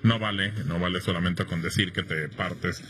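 A man on a sports panel, giving blunt opinions in a lively back-and-forth. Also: sits low. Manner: opinionated, fast, animated.

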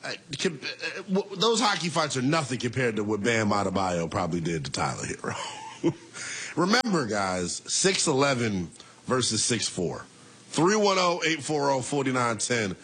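A young man in his twenties hosts a call-in sports talk show, bantering and laughing with callers. His voice is lively and bright, with a slightly husky edge. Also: medium pitch, moderate pace. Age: 20s.

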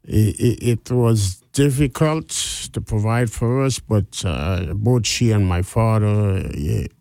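A Guyanese-accented man in his sixties talks haltingly, full of ums and restarts. His voice sits low and sounds dark and mellow, recorded close and dry. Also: vocal fry, no echo. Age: 60s. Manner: hesitant, many fillers and restarts. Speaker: guest business owner. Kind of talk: interview.

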